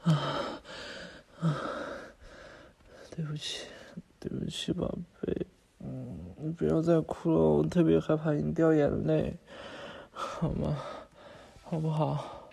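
A man's voice: high voice, measured pace, pauses often, darkish tone. A man playing a remorseful young boyfriend who soothes his crying girlfriend, stammering and apologizing again and again in a boyfriend roleplay audio drama. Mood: tender, soft.

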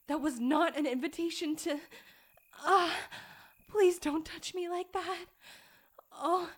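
Brief: a woman voicing a proper young lady in an audio roleplay, high voice, formal old-fashioned phrasing, breathy whispered pleas. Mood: desperate pleading.

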